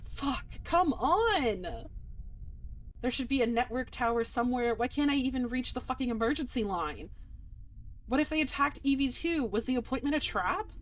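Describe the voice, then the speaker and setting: A woman's voice: sits high, expressive, moderate pace, pitched above the performer's own voice. A woman reading a visual novel aloud, voicing a frightened, injured young woman in the first person, with tense delivery that breaks into swearing. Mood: panicked.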